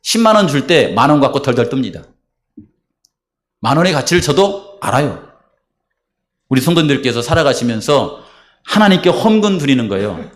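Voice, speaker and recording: A man preaching as pastor at a church baptism service, posing questions to the congregation and answering them himself. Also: a little high. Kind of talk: sermon and baptism rite. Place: church sanctuary.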